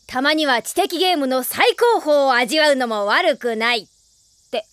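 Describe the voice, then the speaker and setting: A woman's voice: sits high, animated, moderate pace, a bit bright, dry recording. A woman playing a brash, bossy, tomboyish schoolgirl club leader with a mock-pompous manner in an anime audio drama. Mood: pompous, cheerful.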